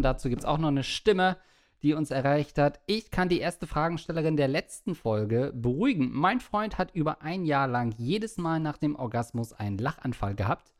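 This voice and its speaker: A man hosting a podcast, moving between casual chat and reading listener letters aloud. His tone is dry and matter-of-fact with a teasing edge, at an ordinary male pitch.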